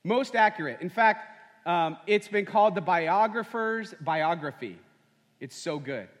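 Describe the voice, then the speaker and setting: A man's voice: high-pitched, lively intonation, unhurried. A man preaching a sermon as pastor, conversational and full of rhetorical questions. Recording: long hall reverb.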